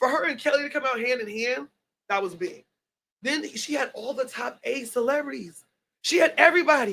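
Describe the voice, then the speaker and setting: Loud and animated, a woman talks at a fairly quick pace in a high pitch. Her tone is bright and sharp, her intonation lively. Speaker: podcast host. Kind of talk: casual chat. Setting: studio. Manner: loud laugh.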